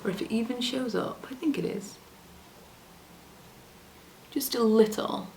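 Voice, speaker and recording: A woman's voice: a little high, measured pace, creaky, a little mellow, slight background noise. Chatty young woman, slightly roomy sound. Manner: chatty, self-deprecating, rambling with fillers. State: voice low from a coming cold. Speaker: beauty vlogger. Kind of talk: casual makeup tutorial chat. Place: room at home, indoors. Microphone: camera close to the face.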